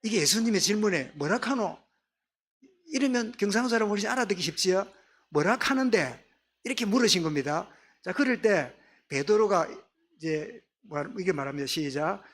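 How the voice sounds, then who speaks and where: A man's voice: high voice, animated, a little fast. A male pastor with a Gyeongsang accent preaching a sermon, often asking the congregation questions and answering them himself. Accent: Gyeongsang dialect.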